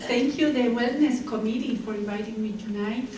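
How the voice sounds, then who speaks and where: A woman's voice: fairly high pitch, moderate pace. A middle-aged woman from Argentina with an Argentine Spanish accent, giving a community health talk as a dietitian, hesitant and restarting her phrases. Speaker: dietitian and guest speaker. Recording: echoey room, distant mic, faint noise.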